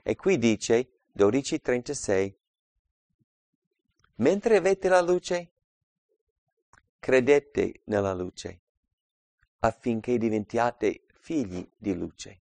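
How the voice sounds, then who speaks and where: Gravelly Italian-speaking preacher, dry sound. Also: male voice, animated, extremely slow, pauses often, no room sound. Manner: reads scripture aloud and explains it, calling out verse numbers; swings between loud emphatic passages and quiet low asides. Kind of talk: Bible study sermon.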